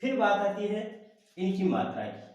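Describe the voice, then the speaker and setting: A man teaching a Hindi grammar lesson online, slowly reciting the letters one by one. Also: high voice, very animated, a little mellow. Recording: very echoey room.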